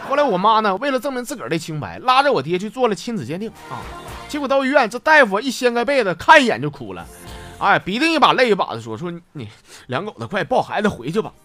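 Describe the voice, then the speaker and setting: Lively high-voiced man with a Northeastern Mandarin accent. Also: quick pace. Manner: playful, laughing, teasing. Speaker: comedy host reading listener jokes. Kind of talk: comic storytelling, reading jokes. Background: background music.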